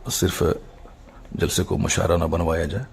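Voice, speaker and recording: Deep, very gravelly male cleric, noisy recording. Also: little pitch movement, faint music behind. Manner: measured, halting phrasing with formal Urdu religious vocabulary. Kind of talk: solemn religious address, formal statement.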